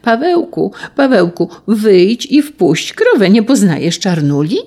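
A reader doing excited manor children. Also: mid-range voice, measured pace, vocal fry, voice pushed up. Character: cheerful manor children, eager.

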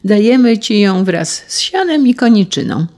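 A storybook reader voicing cheerful, eager manor children who call out excitedly. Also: mid-range voice, normal speed, voice pushed up, close to an everyday voice.

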